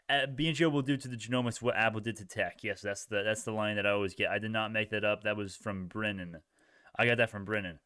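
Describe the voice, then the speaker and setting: A man's voice: fairly low pitch, steady tone, fast, sharp tone, smooth, dry recording, studio quality. A young man hosting a casual live stock-trading stream, reacting to chat in informal bro slang and often repeating himself as he thinks aloud. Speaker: livestream host, retail stock trader.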